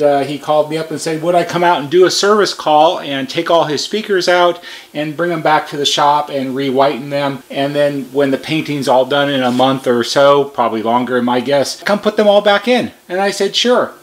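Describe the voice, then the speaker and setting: An American man with a slightly high voice talks casually through a demonstration. He sounds like a working repair technician, plain-spoken and explanatory, addressing viewers in a conversational way. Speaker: repair shop technician presenting a how-to video. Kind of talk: casual product demonstration talk.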